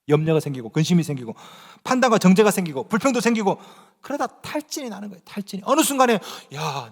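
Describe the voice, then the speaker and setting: With a slightly high voice and a big-room sound, a male pastor delivers a sermon in church. He asks his congregation questions and shifts from loud, forceful lines to soft, almost whispered ones.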